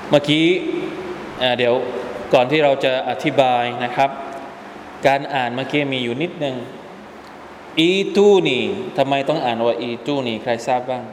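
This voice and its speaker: A man's voice: mid-range voice, steady tone, moderate pace, pauses often. A man giving a religious lesson, explaining pronunciation step by step and quizzing his listeners. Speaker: Quran commentary teacher. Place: mosque hall. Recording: echoey hall with long reverb, faint background noise.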